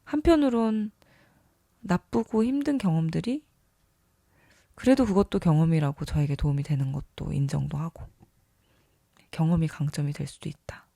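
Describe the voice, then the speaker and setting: A vlogger talking casually and reflectively about themselves, earnest and openly enthusiastic, with a creaky edge to the voice. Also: medium pitch, normal speed, long pauses, mellow, no room sound, clean studio sound. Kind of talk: casual reflective self-talk to camera or mic.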